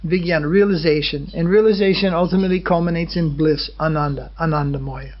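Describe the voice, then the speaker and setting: A swami delivers a spiritual lecture in a high voice, speaking in measured phrases and often pausing to ask his listeners "hmm?". He is heard through a dull, lo-fi recording. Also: fairly even intonation. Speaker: swami giving a spiritual talk. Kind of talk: religious lecture.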